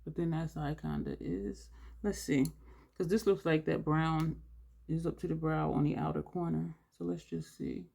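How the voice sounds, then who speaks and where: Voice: medium pitch, fairly even intonation, normal speed, gravelly, a little mellow, breathy edge. A beauty vlogger chatting casually through a makeup tutorial, thinking aloud as they work, sounding congested with audible breaths between phrases. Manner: rambling, thinks aloud while working.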